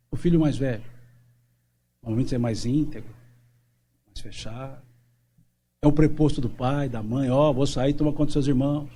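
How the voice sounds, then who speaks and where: A man lectures to an audience at a spiritist gathering, his voice set a little high and mellow. He keeps it animated, acting out short exchanges between people. Faint noise hangs under the recording of the hall. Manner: animated, acts out little dialogues. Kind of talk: seminar talk.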